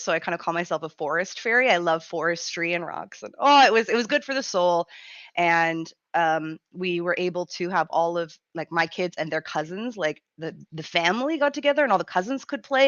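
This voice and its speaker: A woman in her thirties hosting a radio show in casual chat, her voice raspy and gruff from a cold, chatty and laughing often. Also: fairly low pitch, a little fast, a bit bright, dry recording, muffled recording. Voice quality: raspy, grumbly. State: has a cold, gruff throat. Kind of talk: casual live-stream chat.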